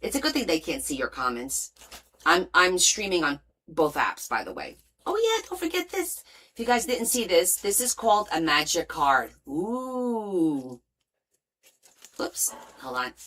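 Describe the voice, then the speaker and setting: In a lowish voice at a measured pace, a woman from Portugal who grew up in New Jersey chats with viewers during a casual crafting stream. Her New Jersey accent is light, and she reads comments aloud, her talk full of lively rises and soft asides.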